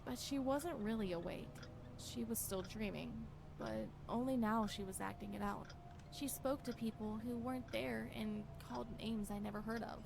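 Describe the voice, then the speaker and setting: A woman playing a grave character in a horror game, reading sinister letters and diary entries aloud in a measured, formal, dramatic way. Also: on the high side, gravelly, noisy background. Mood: brooding, sinister. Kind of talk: scripted horror game narration.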